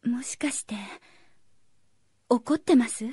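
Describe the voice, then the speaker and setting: A woman's voice: fairly high pitch, slow, mellow, husky, dry recording, clean studio sound, heavily acted. An actress playing a timid, tender-hearted young servant girl in a radio drama, hesitant, delicate and polite. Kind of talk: Japanese radio drama acting.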